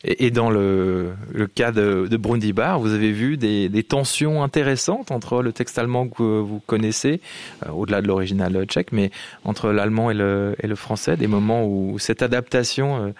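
A man hosting a radio interview, asking questions in a measured, formal way. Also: lowish voice, steady tone, darkish tone, no room sound. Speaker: radio host.

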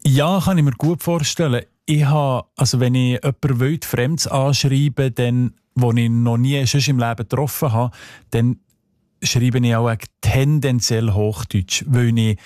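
A man with a Swiss German Sensler accent, a dialect expert talking thoughtfully on radio and pausing often to search for words. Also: mid-range voice, steady tone, a little mellow, dry recording, clean studio sound. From Switzerland. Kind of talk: relaxed radio conversation. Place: radio studio.

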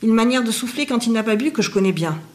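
Brief: a woman putting on a gruff traveling peddler, hard-voiced and angry, in a storybook reading. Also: a little high, lively intonation, fast talker, a little mellow, pitched above the performer's own voice, close to an everyday voice.

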